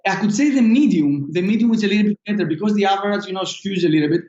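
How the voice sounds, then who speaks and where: Greek-accented man, high and roomy. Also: lively intonation, racing, a little mellow, lo-fi sound. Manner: hesitant, many fillers and restarts. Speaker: startup founder guest. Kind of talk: casual interview answers.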